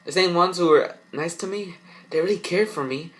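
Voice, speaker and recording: A man's voice: high-pitched, moderate pace, pitched above the performer's own voice, natural voice, poor audio. A man voicing an anxious, guilt-ridden teenage cartoon girl in a raised, strained voice. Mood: panicked.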